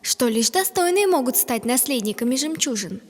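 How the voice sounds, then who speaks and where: A woman's voice: high-pitched, animated, normal speed, dry recording. A woman playing a wise, sensible girl adventurer in a children's cartoon. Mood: thoughtful.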